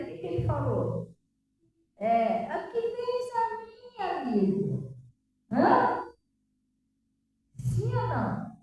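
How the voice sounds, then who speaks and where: A high-pitched woman with a Brazilian Portuguese accent delivers an emphatic sermon, constantly checking that her listeners follow. Her voice comes from a distance and rings through a heavily reverberant church hall. A faint background noise sits under it. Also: darkish tone, highs cut off. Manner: emphatic preaching, constant rhetorical questions to the congregation. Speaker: pastor.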